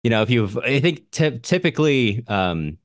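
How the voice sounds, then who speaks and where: A man's voice: medium pitch, sing-song, moderate pace, no echo, clean studio sound. A man co-hosting a podcast, casually discussing a book and reading out listener comments with a wry touch. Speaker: podcast co-host.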